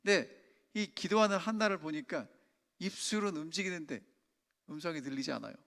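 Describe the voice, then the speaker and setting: Male senior pastor, emphatic sermon full of questions to the pews, bright and tense tone. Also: on the high side, lively intonation, a little fast, vocal fry. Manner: emphatic, asks the congregation questions. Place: church sanctuary. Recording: long church reverb.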